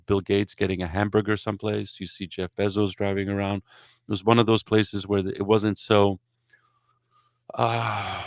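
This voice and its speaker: A middle-aged man from Poland whose first language is Polish, a radio DJ and host giving a relaxed, rambling, enthusiastic talk about his life. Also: fairly low pitch, vocal fry, no echo. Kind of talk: public lecture, storytelling.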